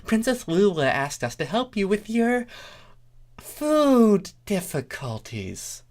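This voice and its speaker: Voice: medium pitch, very animated, slow pace, a little mellow, voice pushed up. A performer voicing a prim, awkwardly polite female pony in a cartoon fan story. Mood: polite, flustered.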